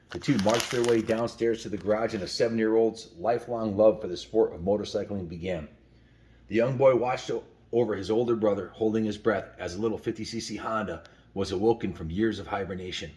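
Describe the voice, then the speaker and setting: A man with a fairly low-pitched voice hosts a casual story time. He is folksy and enthusiastic, talking directly to his audience whether chatting or reading aloud. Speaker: host of a story time show.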